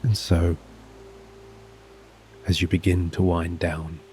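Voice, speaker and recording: Man, very low pitch, soft dark tone, soothing hypnosis narration, gentle measured phrasing, long pauses. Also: little pitch movement, slight background noise. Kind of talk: guided sleep hypnosis, scripted narration. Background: soft relaxing music and gentle waves.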